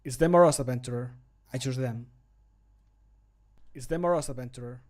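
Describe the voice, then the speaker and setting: A man voicing a grave, stoic fantasy adventurer in measured, solemn game voice lines. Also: medium pitch, a little mellow, lightly acted. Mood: resolute.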